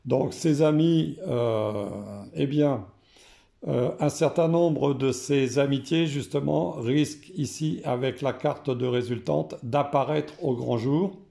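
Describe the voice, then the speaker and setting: Hoarse, slow-spoken French man. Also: medium pitch, mellow. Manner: slow and hesitant, frequent "euh" fillers. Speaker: tarot card reader. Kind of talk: casual explanation to camera.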